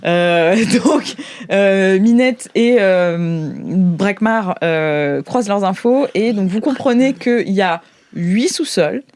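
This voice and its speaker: A woman's voice: mid-range voice, slow pace, darkish tone. A woman hosting an improvised tabletop game, narrating in a conversational, hesitant way as game master.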